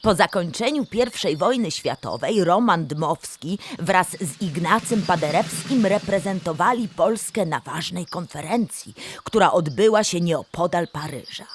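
A woman's voice: lowish voice, expressive, measured pace, a little hiss or hum. A woman playing a friendly female cartoon animal who explains history in a children's audio drama, speaking with careful enunciation. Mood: explanatory.

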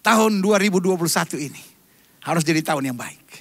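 A man preaching an animated sermon, his voice a little strained from coughing, switching from jokes to sudden shouts and soft asides. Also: on the high side, quick pace, dry recording. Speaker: pastor. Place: church stage.

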